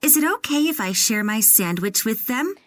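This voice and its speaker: A woman voicing a daughter on a hike in a recorded listening-test dialogue, bright and eager. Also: on the high side, very animated, extremely slow, dry recording, clean studio sound, full character voice. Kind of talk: scripted exam dialogue.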